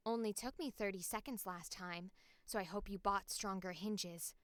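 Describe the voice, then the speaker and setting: A woman's voice: mid-range voice, normal speed, no echo, natural voice. A woman voicing a tough, hot-headed, fiercely loyal action character in a punchy, dramatic audition read. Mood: menacing, cocky. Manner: punchy, forceful delivery.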